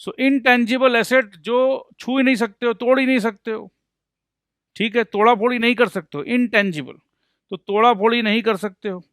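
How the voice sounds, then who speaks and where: A man's voice: extremely high pitch, steady tone, normal speed, a bit bright, dry recording, studio quality. A man teaching accountancy in a lecture, talking in a playful way, joking to explain points and answering his own questions as if he were a student. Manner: playful, mixes Hindi and English, jokes to explain. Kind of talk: recorded lecture.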